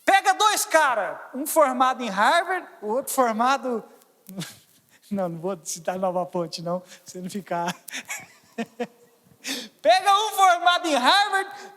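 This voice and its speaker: A man with a Brazilian Portuguese accent preaching a sermon as pastor, swinging between loud exclamations and quiet asides. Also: high-pitched, big-room sound.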